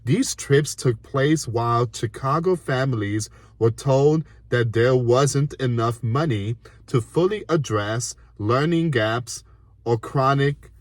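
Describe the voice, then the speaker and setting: Man from puerto rico, slow deliberate delivery, indignant news commentary, dry close sound. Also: medium pitch, no echo. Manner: indignant, reads slowly with frequent asides and restarts. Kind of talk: reading and commenting on a news article.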